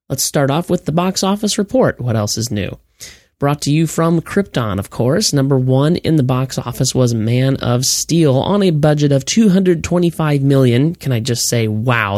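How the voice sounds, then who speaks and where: A man's voice: mid-range voice, moderate pace, dry recording, studio quality. A man hosting a weekly movie news podcast with a slightly froggy voice from a cold, giving blunt opinions and reading off box office numbers. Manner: reads figures in a steady list-like delivery. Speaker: podcast host.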